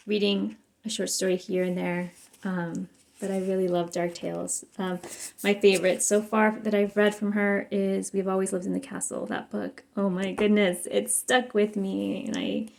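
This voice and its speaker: Young adult woman from Mexico, native Spanish, chatty and effusive, slight fry, warm dark tone. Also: medium pitch. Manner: chatty, effusive, many fillers and restarts. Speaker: book vlogger. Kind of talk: casual chat to camera.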